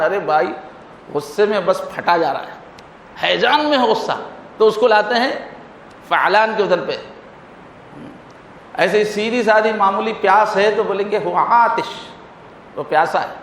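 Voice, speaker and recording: A man's voice: high voice, long pauses, a bit bright. A male Islamic scholar giving a Friday sermon, explaining with vivid everyday examples. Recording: echoey hall, faint noise.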